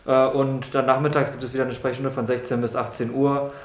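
A young man from Brussels, a medical student, answers earnestly in an even, flat voice. He often repeats words as he searches for them, and the practice room adds a clear echo. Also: medium pitch, brisk. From Brussels, Belgium. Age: young adult. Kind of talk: interview answers.

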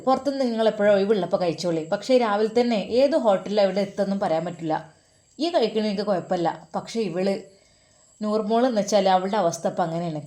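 A woman's voice: mid-range voice, warm tone, natural voice. A woman voicing a loving older Muslim mother who fusses over her children and comforts them. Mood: doting. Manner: doting, coaxing, blessing her children.

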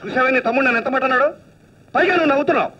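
Grumpy sarcastic husband: very high, very fast, sharp, heard from a distance on a lo-fi track. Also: male voice, exaggerated voice. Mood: grumbling. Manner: grumbling, sarcastic, complaining. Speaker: husband of the aunt. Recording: distant, dull lo-fi film soundtrack.

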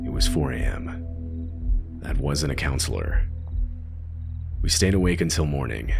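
Male narrator for horror stories, very low gravelly voice, grave and unhurried, faint music under. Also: animated. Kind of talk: scripted narration.

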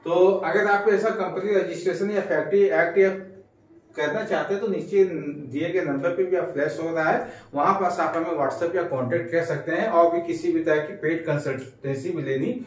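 A young man gives a casual whiteboard lesson in a small room, posing questions and answering them himself. His voice sits high, and it carries a strong echo, sounding a little away from the mic. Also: steady tone, moderate pace. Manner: explanatory, repeats points and asks then answers his own questions. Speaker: business explainer teaching at a whiteboard. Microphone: clip-on lapel mic. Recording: very echoey room, voice from some distance.

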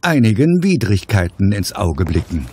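A man's voice: on the low side, big pitch swings, moderate pace, slight background noise. A man playing a wry storybook narrator, reading scripted narration for a comic radio play. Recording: loud music behind narration.

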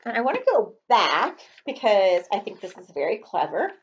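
Female children's librarian, thirties, animated read-aloud with very varied pitch, slightly dull webcam sound. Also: moderate pace, slight background noise. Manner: expressive, dramatic storytelling. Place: living room, on a couch.

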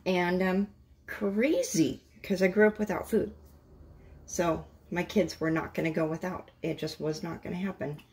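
A middle-aged woman hosting a casual home interview, relaxed and reflective, laughing often. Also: lowish voice, normal speed. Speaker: host.

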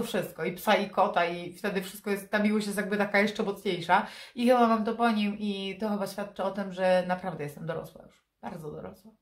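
A woman in her thirties talks to the camera as if confiding in regular viewers. Her mid-pitched voice is nasal and congested with a head cold and sore throat. The delivery is casual, unscripted vlog chat. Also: fairly bright tone, reverberant. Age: 30s. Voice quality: nasal, congested from a blocked nose. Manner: candid, confiding. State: stuffy nose, sore throat. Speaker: vlogger. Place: furnished room indoors. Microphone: camera propped in front of her.

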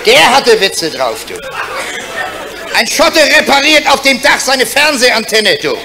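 A man's voice: very high voice, very animated, gravelly, crowd noise. A man telling one joke after another as a stand-up comedian, tagging lines with "du" and "hä?". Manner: fast joke after joke, punctuated with "du" and "hä?".

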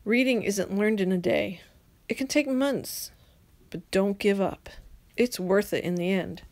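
A woman reading a children's picture book aloud in a gentle read-aloud manner. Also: medium pitch, unhurried, no echo. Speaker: storybook reader.

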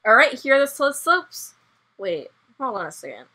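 A woman's voice: high voice, big pitch swings, normal speed, background noise. A woman hosting a gaming video, chatting casually and playfully teasing her co-player. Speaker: gaming channel host. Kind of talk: casual game commentary.

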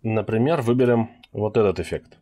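A man narrating a scripted software tutorial as presenter, with a slightly husky voice. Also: lowish voice, normal speed, very noisy.

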